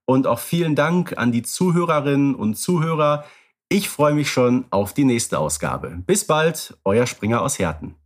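A man co-hosting a podcast in relaxed casual chat, hedging with filler phrases. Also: medium pitch, moderate pace. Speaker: podcast co-host.

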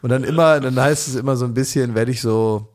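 A man's voice: mid-range voice, brisk. Rambling, ironic male podcast host. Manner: ironic, rambling storytelling with many restarts. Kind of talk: casual chat.

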